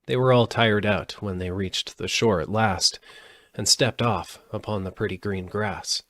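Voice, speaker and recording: A man reading a children's storybook aloud live, in an expressive narrating style. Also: lowish voice, unhurried, no room sound, clean studio sound. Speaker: audiobook reader.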